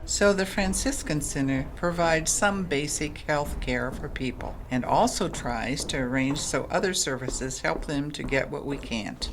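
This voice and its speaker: An actress playing a kindly, patient Catholic sister in an audio drama, explaining things gently. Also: female voice, sits low, unhurried, hardly any pauses, slight background noise, low-quality recording.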